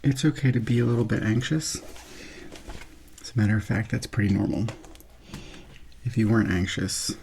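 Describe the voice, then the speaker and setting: A soft-spoken man doing an ASMR roleplay in an unhurried, reassuring manner. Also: on the low side, vocal fry, slight background noise. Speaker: ASMR performer playing a substitute surgeon.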